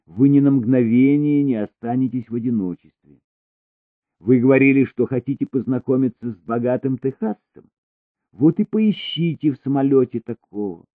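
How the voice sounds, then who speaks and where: A man reading an audiobook voices a calm male handler who talks in a soft, reassuring way. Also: mid-range voice, moderate pace, no echo, pitched above the performer's own voice, lightly acted. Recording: tinny phone-like recording.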